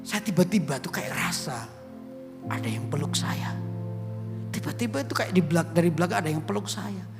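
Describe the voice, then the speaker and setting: A middle-aged male pastor, telling a personal testimony in an animated sermon. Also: high-pitched, moderate pace. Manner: animated storytelling, drops into Javanese phrases. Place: large church auditorium. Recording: reverberant church hall with music.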